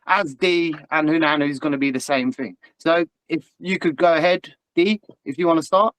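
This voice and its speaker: Higher-voiced man hosting a panel. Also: a bit bright, no room sound, rough recording. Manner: upbeat, quick, slightly self-conscious. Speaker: channel host. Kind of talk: casual chat.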